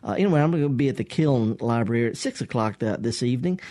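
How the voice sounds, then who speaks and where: Folksy radio host, a man, husky and warm-toned, close and dry in the studio. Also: medium pitch, animated, fast talker, no echo. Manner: folksy, rambling, chuckling. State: husky from pollen. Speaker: radio gardening show host. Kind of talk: casual radio call-in talk. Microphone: studio microphone.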